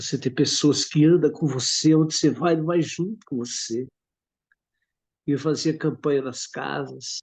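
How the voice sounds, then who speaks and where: A fairly high-pitched man at a moderate pace. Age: 60s. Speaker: lay preacher. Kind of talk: testimony.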